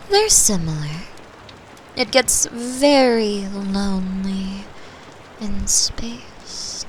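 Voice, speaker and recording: A woman voicing a gentle, lonely extra-dimensional being who comforts a human in an intimate ASMR roleplay, speaking softly and breathily, often dropping into a whisper. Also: a little high, slight background noise, full character voice, poor audio. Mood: wistful, tender. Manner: soft, breathy, often whispered, soothing and unhurried.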